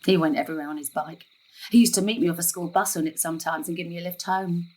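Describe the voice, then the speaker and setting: A woman's voice: lowish voice, fairly even intonation, fast, darkish tone, natural voice, poor audio. An actress playing a weary, guarded middle-aged mother with a terse, exasperated manner in an audio drama. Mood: subdued, guarded.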